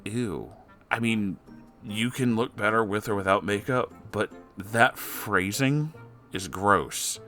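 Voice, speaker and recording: Male host, low voice, story narration with casual wry commentary, faint music bed underneath. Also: takes it slowly, pushed and bright. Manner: conversational, wry, reacting to the story. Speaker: host reading a submitted story. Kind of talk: story reading with casual asides.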